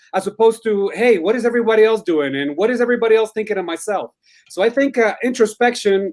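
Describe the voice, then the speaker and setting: A man with a Spanish accent talks at a fairly quick pace in a high pitch, his intonation lively. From Guatemala, grew up partly in Utah. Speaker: audience guest. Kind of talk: casual chat. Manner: halting, repeats words.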